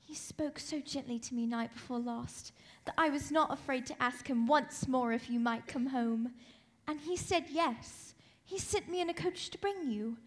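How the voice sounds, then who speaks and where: A woman playing an eager, loving young girl, a devoted little sister, in a stage radio play. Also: high voice.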